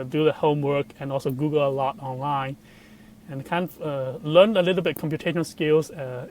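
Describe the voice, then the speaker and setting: A middle-aged man from southern China with a Chinese accent, telling his personal story as an interview guest in a halting way. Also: fairly high pitch, a little hiss or hum. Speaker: guest, computational biologist.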